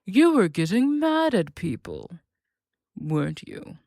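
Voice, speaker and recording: A performer playing a composed, defiant wrestling contender, delivering a deliberate, confrontational scripted promo with rhetorical questions. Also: medium pitch, wildly swooping pitch, vocal fry, darkish tone, no echo, clean studio sound, full character voice.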